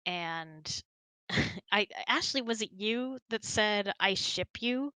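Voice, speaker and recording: A woman's voice: mid-range voice, animated, takes it slowly, bright, forceful tone, dry recording. A woman chatting casually and candidly as host of an online hangout, often dropping "like" into her sentences. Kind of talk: casual chat with spouse.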